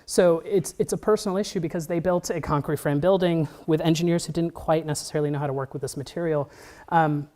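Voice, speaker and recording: A man in his thirties giving an academic design lecture, earnest and halting, with frequent restarts and fillers. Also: a little high, steady tone, dark tone. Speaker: architecture lecturer.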